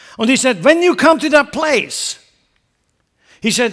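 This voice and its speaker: A man with a Swiss accent at a moderate pace, with ordinary pitch variation. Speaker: preacher. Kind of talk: sermon. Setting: church.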